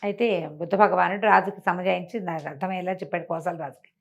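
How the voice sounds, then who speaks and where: A woman telling moral tales aloud in an animated, conversational way, explaining as she goes and acting out dialogue. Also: fairly low pitch, quick pace, vocal fry, muffled recording. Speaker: storyteller.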